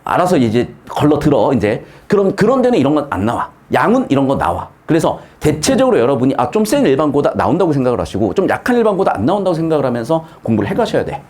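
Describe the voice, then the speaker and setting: A man's voice: fast talker, hardly any pauses. A middle-aged man teaching grammar in a casual lecture, asking rhetorical questions and dropping blunt slangy asides. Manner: lively, swings pitch widely, asks rhetorical questions, blunt slangy asides. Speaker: Korean grammar tutor.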